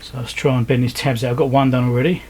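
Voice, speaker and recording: Guy doing hands-on repair video, mid pitched voice, thinking out loud, low-key, some background noise at the bench. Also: level tone, fast talker. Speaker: electronics repair video host. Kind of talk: casual hands-on commentary while working. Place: indoor repair workbench.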